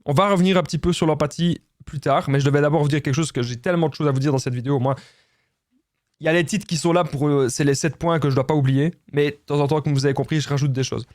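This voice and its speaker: A man's voice: on the high side, fairly even intonation, fast talker, a little mellow, dry recording, studio quality. A man with a Belgian French accent giving relationship advice straight to his viewers, insistent and repetitive, often calling them his friends. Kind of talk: direct-to-camera advice talk.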